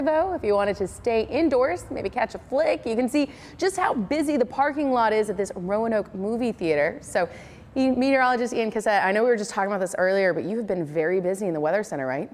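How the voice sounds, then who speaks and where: A woman's voice: medium pitch, darkish tone, in a large hall. A woman with an American accent reading a scripted local television newscast as the anchor.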